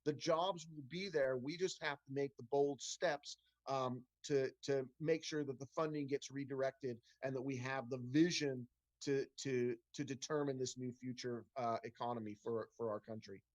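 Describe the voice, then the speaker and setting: A man's voice: medium pitch, fairly even intonation, moderate pace, dull audio. A middle-aged man, a political candidate, answering town hall questions earnestly over a video call, with frequent restarts and fillers. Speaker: congressional candidate.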